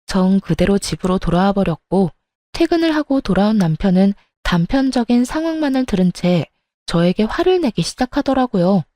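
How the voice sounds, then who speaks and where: A woman's voice: mid-range voice, sing-song, normal speed, dark tone, dry recording, clean studio sound. A woman narrating her own story in first person, firm and indignant in her own lines.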